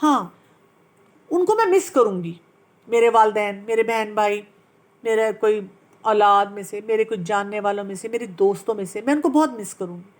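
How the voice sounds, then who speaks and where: A woman, a pediatrician and parenting coach, gently explaining how to heal from trauma and slipping English terms into her speech. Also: medium pitch. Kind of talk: Islamic-based talk on healing from trauma.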